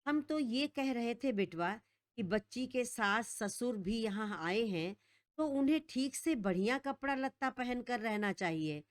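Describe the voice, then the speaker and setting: A woman's voice: fairly high pitch, lively intonation, unhurried, no echo, studio quality. A woman voicing a flustered, gossipy older village aunt who talks in a rustic, fawning way. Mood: nervous, fawning. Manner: rustic dialect speech, nervous fawning.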